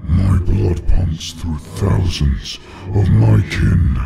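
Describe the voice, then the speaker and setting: Ancient menacing dragon, very low growling rumble, slow solemn delivery, bass-boosted reverb effect, fantasy creature. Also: male voice, gravelly, dark tone, exaggerated voice. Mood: solemn menace. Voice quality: deep, rumbling. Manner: slow, grave, portentous. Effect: pitched-down, bass-boosted reverb monster filter.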